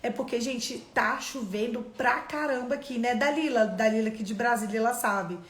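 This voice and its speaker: A woman's voice: fairly high pitch, normal speed. A Brazilian woman leading a live-streamed devotional, speaking conversationally and putting direct questions to her viewers. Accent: Brazilian Portuguese. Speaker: devotional teacher. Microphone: phone or computer on a live stream. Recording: echoey room.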